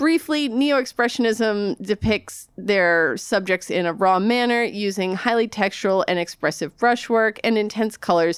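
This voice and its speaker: A woman with a fairly high pitch speaks at a fairly slow pace in an ordinary speaking voice, her intonation lively. The recording is very clean with a silent background and a dry, close sound with no echo. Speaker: professor. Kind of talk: casual chat.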